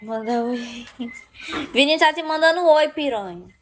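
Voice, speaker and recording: A young woman hosts her own live stream, chatting and joking with viewers. Her voice sits on the high side, and her talk is playful and chatty, with frequent laughs. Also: moderate pace, soft background music. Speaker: livestream host.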